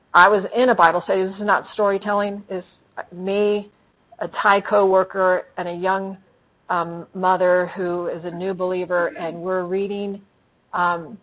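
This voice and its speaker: A woman speaking to an audience in a conversational talk, answering questions, lively and full of restarts. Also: medium pitch, slightly rough, low-quality recording. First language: English. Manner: animated, frequent restarts. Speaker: speaker training storytellers.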